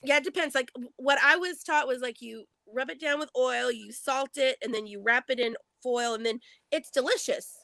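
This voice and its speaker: A middle-aged woman chatting with friends on a live video call, telling stories in an animated way with lots of repeats and laughter. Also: sits high, normal speed, creaky, hardly any pauses, no room sound. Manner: animated storyteller, repeats words, laughs often. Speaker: guest on a live chat. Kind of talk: casual chat among friends.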